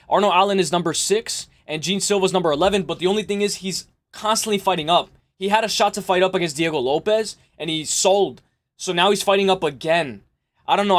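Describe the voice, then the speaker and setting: A man hosting a live stream, chatting loosely with his viewers and rambling through quick asides. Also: sits high. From Spain. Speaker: livestream host. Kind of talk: casual live stream chat.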